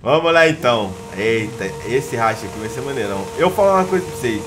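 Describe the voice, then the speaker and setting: A young Brazilian man commentates a racing video game with friends, his voice swinging widely in pitch as he jokes and counts down the races. He keeps a slangy, excited banter going. Engine and game noise sit clearly behind him. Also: quick pace. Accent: Brazilian Portuguese. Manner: animated, loud countdowns, slangy and joking. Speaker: gaming YouTuber hosting a racing event. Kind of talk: casual gameplay commentary with friends.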